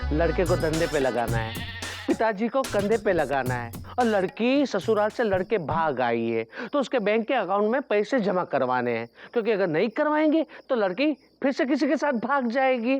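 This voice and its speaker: A sly, haggling village schemer in a TV comedy, talking in wordplay and pushing his price. His pitch swings a lot as he bargains. Music plays behind him. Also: sing-song, moderate pace. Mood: scheming. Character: scheming village wheeler-dealer bargaining over money. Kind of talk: TV comedy acting. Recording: music bed behind dialogue.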